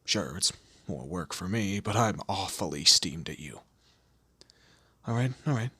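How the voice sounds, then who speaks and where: Man acting as demon lord, audio roleplay, forceful edge, gravelly fry, commanding, theatrical, teasing menace, very dry close sound. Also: expressive, measured pace, dry recording, exaggerated voice. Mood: stern, threatening. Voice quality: low, gravelly, husky. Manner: imperious, theatrical, drawling threats and teasing. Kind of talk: scripted audio roleplay addressed to the listener.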